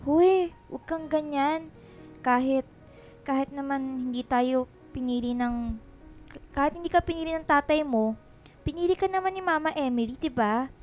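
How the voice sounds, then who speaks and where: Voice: high-pitched, moderate pace, pauses often, soft background music, natural voice. A performer voicing a flamboyant, witty gay best friend in a radio drama, with sassy, dramatic, slangy banter. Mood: earnest, comforting.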